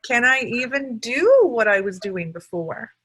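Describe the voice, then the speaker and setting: A woman practitioner guiding a call-and-response tapping session, speaking calmly in short phrases for her client to repeat. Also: on the high side, measured pace, husky.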